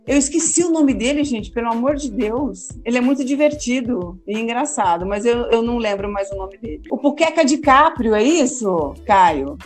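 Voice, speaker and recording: A woman's voice: fairly high pitch, animated, moderate pace, few pauses, soft background music. A woman, a teacher and former radio host, answering interview questions in a casual, hesitant way, often repeating words. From Amazonas, Brazil.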